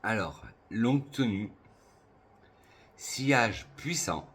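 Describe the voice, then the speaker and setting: Deep-voiced Frenchman reviewing perfumes. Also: animated, a bit bright. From France. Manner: enthusiastic, savoring, lists notes slowly with pauses. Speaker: perfume youtuber.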